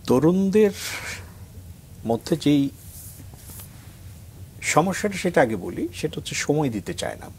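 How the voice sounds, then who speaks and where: A man's voice: fairly high pitch, big pitch swings, measured pace, long pauses, mellow, slight background noise. A middle-aged man from Bangladesh, a reciter on a TV morning show, talking earnestly and then reciting a poem with swelling emphasis. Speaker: reciter guest. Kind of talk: reflective talk and poetry recitation. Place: TV studio.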